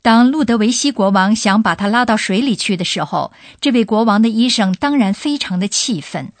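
A woman's voice: mid-range voice, expressive, normal speed, no room sound. Inquisitive woman hosting a radio lesson. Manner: inquisitive, prompts the expert with questions. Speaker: host. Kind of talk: radio language lesson, guiding questions.

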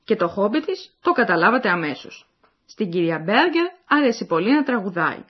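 A woman's voice: medium pitch, very animated, husky. A woman reading the scripted narration of a language course, explaining and addressing the listeners. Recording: dull lo-fi recording.

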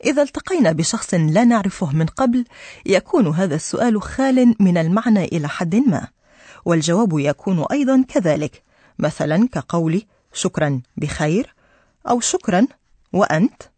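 A woman teaching a radio language lesson, explaining patiently and clearly to her listeners. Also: fairly low pitch, expressive, fairly quick, mellow, dry recording.

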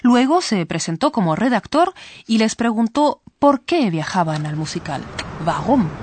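A woman hosting a scripted language lesson, explaining clearly to listeners. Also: medium pitch, big pitch swings, normal speed, a little mellow, no echo. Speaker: host.

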